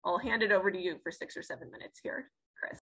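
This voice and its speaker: A woman's voice: medium pitch, fast talker, bright, forceful tone, slightly rough, low-quality recording. A woman in her thirties moderating a panel discussion on a video call, articulate but with frequent "um"s and repeated words. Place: indoors, in front of a branded backdrop. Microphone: video call webcam.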